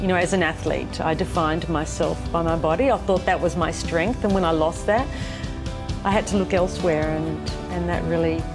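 Clear music plays in the background as someone with an Australian accent talks at a fairly quick pace. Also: woman. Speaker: keynote speaker. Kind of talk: interview answer. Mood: reflective, earnest. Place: studio. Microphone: lapel.

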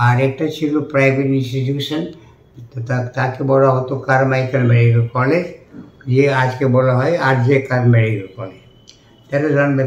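A man's somewhat breathy voice with audible room echo. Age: 80s+. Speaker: doctor. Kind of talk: interview answer. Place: home room.

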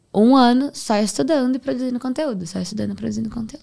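Over a quiet background, a woman with a dark, mellow tone talks at a fairly quick pace. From interior of São Paulo state, Brazil (Bauru); São Paulo state, Brazil. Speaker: therapist, body language and NLP specialist; podcast guest. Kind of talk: podcast interview, casual chat. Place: studio. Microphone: studio mic.

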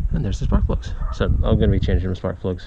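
A man talks at a fairly quick pace, the sound dry with no echo. Loud background noise fills the recording. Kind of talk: tutorial. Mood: relaxed, mildly wry. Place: garden. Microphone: phone near.

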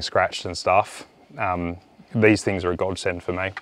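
A man speaks at a moderate pace with an ordinary speaking voice. The sound is dry, with no echo. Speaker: camping gear reviewer. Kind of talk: casual product review to camera. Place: open country. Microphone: lapel.

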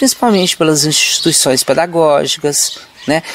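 The man's voice is high in pitch, with lively intonation and a fairly quick pace. The sound is dry with no echo, though noticeable background noise comes through. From Brazil, Minas Gerais (Patrocínio); Minas Gerais, Brazil. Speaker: visual artist; interviewee. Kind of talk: interview. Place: garden. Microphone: handheld.

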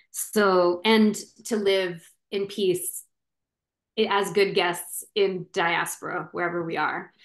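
A woman with an American accent, very slow and monotone with flat intonation, over a quiet background. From US Northeast. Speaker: performance artist; guest. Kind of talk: interview. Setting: video call. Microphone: video call.

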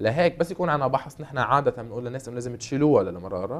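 The speaker is a man with lively intonation. His pace is fairly quick. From Lebanon. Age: 30s. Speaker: surgeon; guest. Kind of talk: TV interview. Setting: TV studio. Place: studio. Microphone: lapel.

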